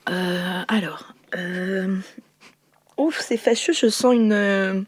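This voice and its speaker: A woman playing a polite, earnest new-age yoga devotee, flustered and halting as she talks herself calm in an improvised role-play. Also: medium pitch, slightly rough, dry recording. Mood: anxious self-soothing. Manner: halting, breathing through her emotions, therapy-speak.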